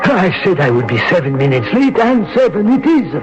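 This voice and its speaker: High-voiced, assured Catholic monsignor, old radio. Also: male voice, very animated, brisk. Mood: brisk, assured. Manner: courteous, dryly witty, assured. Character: brave, kindly, composed Catholic monsignor. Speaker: radio drama actor. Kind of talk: radio drama acting. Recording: dull old radio broadcast, music behind.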